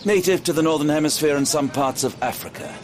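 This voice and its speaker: An actor playing a cheeky maverick police detective in an audio drama, wry, teasing and offhand. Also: male voice, fairly high pitch, quick pace, crowd noise, lightly acted.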